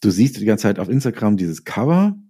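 A middle-aged man with a low, very mellow voice chats as an interview guest. He speaks in a reflective, conversational way, working through his reasoning and slipping into quoted self-talk. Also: sing-song, brisk, breathy edge.

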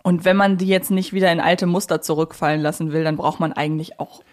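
A woman's voice: fairly low pitch, steady tone, fast. A woman with a German accent co-hosting a podcast, casually discussing audio plays in a chatty, conversational way. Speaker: podcast co-host.

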